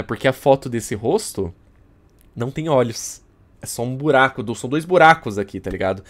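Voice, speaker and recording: A young Brazilian man giving casual, slangy, joking reaction commentary into a close desk microphone. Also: fairly high pitch. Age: young adult. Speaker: YouTuber reacting to horror videos. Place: indoor streaming room. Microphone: close desk microphone on arm.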